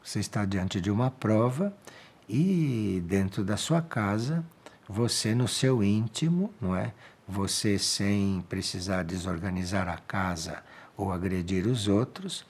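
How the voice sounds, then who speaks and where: A man with a Brazilian Portuguese accent and a lowish, breathy-edged voice gives a calm spiritual talk. He answers listeners' questions in a measured way, repeating key phrases for emphasis.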